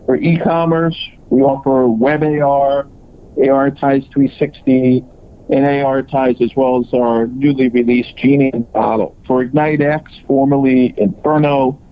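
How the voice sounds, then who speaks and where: A man's voice: mid-range voice, fairly even intonation, a little slow. Man on a dull conference call line. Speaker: company executive. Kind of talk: scripted earnings call presentation.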